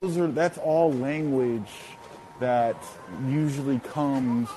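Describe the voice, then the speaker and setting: A man talking over a video call from an airport terminal, giving a steady sports reporter's analysis with frequent fillers. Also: mid-range voice, takes it slowly, soft background music, low-quality recording. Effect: heard over a video call. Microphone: laptop or phone on a video call.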